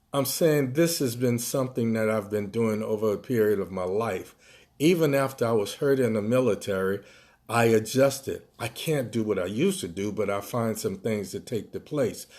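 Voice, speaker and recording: With an American accent, a man speaks in an unremarkable speaking voice at a medium pitch, with ordinary pitch variation, a moderate pace and a very clean recording with a silent background. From US South. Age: 60s. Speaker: podcast host, military veteran. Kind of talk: monologue podcast.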